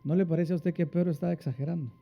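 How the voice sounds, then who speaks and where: A man's voice: steady tone, very fast, gravelly, warm tone. A man preaching a sermon, asking the congregation questions and answering them, acting out quotes with big swings in his voice. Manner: dramatic, acts out quotes with big pitch swings. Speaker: pastor. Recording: dull lo-fi sound.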